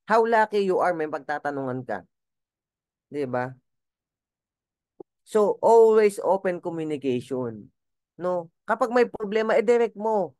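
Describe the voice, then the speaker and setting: A man's voice: high-pitched, animated, a little slow, long pauses, darkish tone, clean tone, no room sound, studio quality. A man leading a motivational business training, coaching his team and often checking for their agreement. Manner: coaching, repeatedly asks the audience for agreement.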